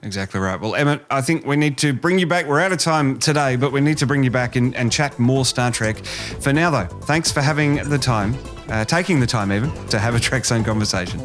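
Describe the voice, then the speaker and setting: A man's voice: medium pitch, expressive, brisk, fairly bright tone, faint music behind. A man hosting a podcast interview in a casual, chatty style.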